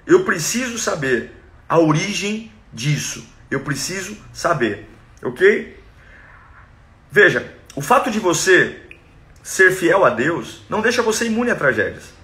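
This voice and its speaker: Brazilian male preacher, high and bright, emphatic sermon delivery. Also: sing-song, measured pace. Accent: Brazilian Portuguese. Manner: emphatic, acts out quoted cries dramatically.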